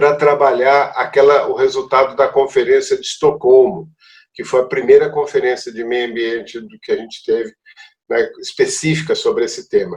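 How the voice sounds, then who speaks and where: Loudness rises and falls in big swings as a man talks at a moderate tempo. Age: 60s. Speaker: environmentalist. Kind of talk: interview. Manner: casual, conversational.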